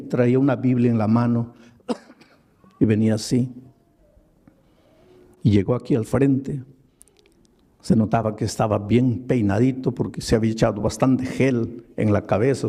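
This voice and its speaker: A man preaching a sermon, telling a story dramatically with sudden leaps in pitch. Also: mellow, breathy edge.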